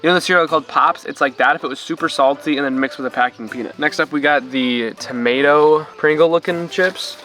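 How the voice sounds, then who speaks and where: A man's voice: on the high side, fairly quick, hardly any pauses, pushed and bright. A young man vlogging outdoors at a campsite in a chatty, laid-back, joking way. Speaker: camping vlogger. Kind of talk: casual vlog talk.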